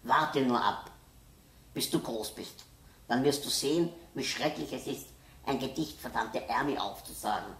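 A woman's voice: a bass voice, takes it slowly, voice pushed up, exaggerated voice. A woman voicing an anxious, stubborn young boy who pleads and snaps in a storybook reading. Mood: worried. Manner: pleading, turns to angry shouting. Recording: roomy, distant mic, faint hiss.

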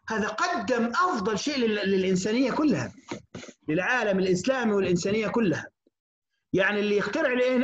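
A woman teacher leads an English lesson, stretching out sounds and repeating them again and again. Her voice sits a little high. The recording is muffled and lo-fi, with a roomy echo around her. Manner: drawn-out, repetitive drilling of sounds. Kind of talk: online lecture for beginners.

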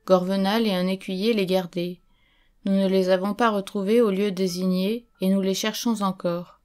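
A woman's voice: mid-range voice, steady tone, normal speed, a little mellow, clear, resonant tone, natural voice. A woman reading the lines of an ardent young male knight in an urgent, pleading way.

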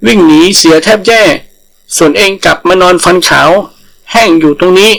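Storybook tiger, man acting: high-pitched coward, panicky and protesting. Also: normal speed, creaky, a bit bright, low-quality recording. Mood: urgent alarm. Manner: frightened, protesting, exclamatory.

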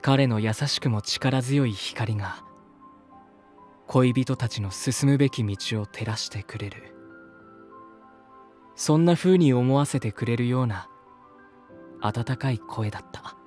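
A man's voice: mid-range voice, takes it slowly, long pauses, a little mellow, lightly acted. An actor playing an earnest, polite young man in a voice drama, speaking with mild sincerity. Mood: admiring, reflective. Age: young adult. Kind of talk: voice drama dialogue and reflective narration. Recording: music behind. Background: music.

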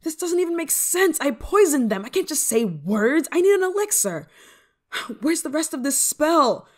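Girl voice actor as clumsy young witch, fretful and stammery, slow talker, sweet on her friend, asmr roleplay. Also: medium pitch, animated. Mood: exasperated. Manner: hesitant, stammering, fretful, sighing. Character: flustered, clumsy, affectionate young novice witch. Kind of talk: ASMR roleplay monologue to the listener.

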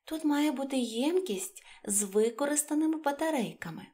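A woman's voice: sits high, animated, moderate pace, warm tone, pitched above the performer's own voice. A woman voicing a small, earnest female battery in a children's storybook, with music behind her. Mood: hopeful. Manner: earnest, storybook character speech.

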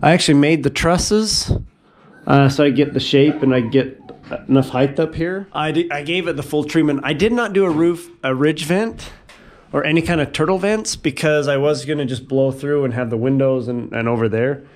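A man giving a casual home tour, rambling and correcting himself, often clearing his throat. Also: a little high, normal speed. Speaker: homeowner giving a house tour. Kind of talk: casual handheld tour narration.

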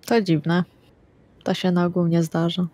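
A woman's voice: fairly low pitch, little pitch movement, unhurried, dark tone. A woman playing a blunt, chatty female vampire in an improvised tabletop roleplay. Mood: musing.

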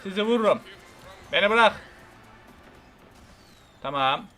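A man giving casual let's play commentary, excitable and swearing casually as he yells at the game and reads on-screen text aloud. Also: high voice, slow pace, soft background music. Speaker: gamer.

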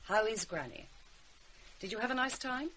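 Anxious prim mother, lively pitch. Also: normal speed, slight background noise, low-quality recording. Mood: tense, polite. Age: middle-aged. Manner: brittle, polite, hesitant. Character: anxious, prim middle-aged mother, ex-schoolteacher manner. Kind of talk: radio drama acting.

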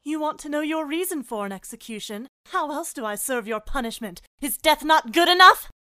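A woman's voice: high-pitched, animated, fairly quick, pushed and bright, no room sound, clean studio sound. A woman voicing a stern, commanding older schoolgirl with formal severity, in an anime fan dub. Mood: cold fury. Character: stern, imperious older schoolgirl passing sentence.

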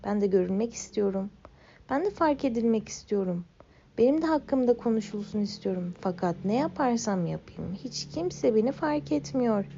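Young woman, children's storyteller, mellow voice with vocal fry, slightly dull lo-fi recording. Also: fairly high pitch, a little hiss or hum. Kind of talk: children's story narration in first person.

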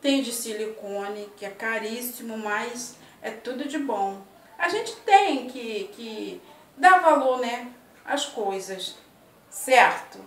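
A woman's voice: a little high, animated, slow pace, a bit bright. Chatty woman in an echoey kitchen. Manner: chatty, affectionate, tags lines with "né" and "ó". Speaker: vlogger. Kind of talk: casual chat to camera. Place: home kitchen, indoors. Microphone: laptop or webcam at arm's length. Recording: echoey tiled kitchen, mic at a distance.

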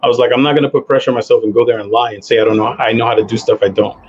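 Guest in his forties, relaxed and rambling, home office, slightly muffled line. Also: medium pitch, racing, a little hiss or hum. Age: 40s. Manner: relaxed, rambling, many fillers. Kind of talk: casual interview over video call. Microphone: headset.

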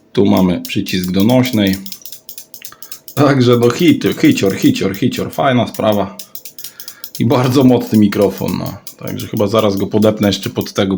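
Guy, kinda low voice, rambling hobby vlog, keeps repeating himself. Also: creaky, darkish tone, a little hiss or hum. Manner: rambling, repeats words and phrases. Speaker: radio hobbyist vlogger. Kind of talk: casual off-the-cuff product showcase.

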